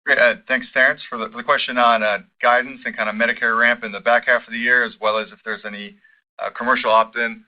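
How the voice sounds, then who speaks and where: Mid-pitched male moderator, muffled audio. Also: little pitch movement, fast. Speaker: call moderator. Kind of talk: moderating an earnings call. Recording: muffled lo-fi conference call audio.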